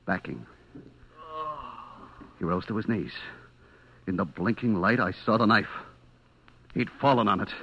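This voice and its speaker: A man's voice: fairly low pitch, vocal fry, background noise, heavily acted. An actor playing a terrified, guilty man on the run, telling his story in a breathless, dramatic old radio suspense style. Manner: breathless, dramatic, swinging from hushed dread to frantic cries. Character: terrified, guilty man hunted by a vengeful butcher. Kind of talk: 1940s-50s radio suspense acting, first-person narration. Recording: old-time radio broadcast with music behind. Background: dramatic music.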